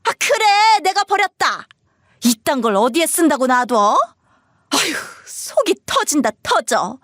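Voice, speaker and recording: A woman's voice: high-pitched, animated, moderate pace, a bit bright, dry recording, clean studio sound, pitched above the performer's own voice. A woman voicing a bossy, scornful middle-aged mother-in-law who scolds and sneers, for an audio story. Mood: scornful scolding.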